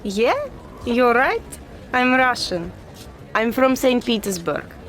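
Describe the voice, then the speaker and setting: A woman playing a friendly young tourist, lively. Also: fairly high pitch, takes it slowly, slight background noise, heavily acted.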